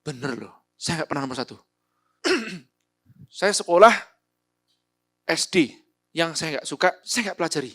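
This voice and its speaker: Animated middle-aged man telling a story. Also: normal speed, long pauses. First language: Javanese. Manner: animated storyteller, voices quotes with big pitch jumps. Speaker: motivational speaker. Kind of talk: storytelling talk.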